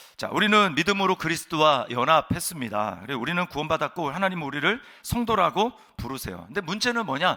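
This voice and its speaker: Vocal fry marks a man's fairly high, bright, sharp voice as he talks at a very fast pace with very wide pitch swings. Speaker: senior pastor. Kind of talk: sermon.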